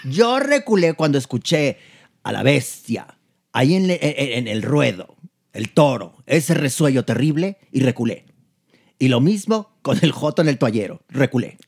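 A man's voice: mid-range voice, very animated, moderate pace, darkish tone, slightly rough. A man with a Mexican accent playing a cranky, boastful elderly woman who snaps insults at the others. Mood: scolding. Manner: scolding, snappy put-downs. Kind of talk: comedy sketch.

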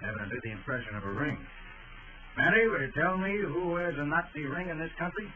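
An actor playing a confident, brisk master detective in a 1940s radio drama, crisp and authoritative. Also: male voice, fairly high pitch, expressive, natural voice. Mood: musing. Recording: very noisy, tinny 1940s radio recording.

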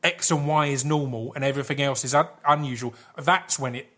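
A man talks casually as an interviewer, in a medium-pitched voice. He is agreeable and opinionated, often halting and repeating himself as he builds a point. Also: fairly bright tone. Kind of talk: casual conversation.

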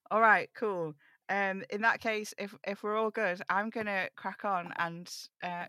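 A woman's voice: medium pitch, fairly even intonation, unhurried, pushed and bright, dry recording, studio quality. A woman voice actor chatting casually before a read-through, self-conscious and nervously joking.

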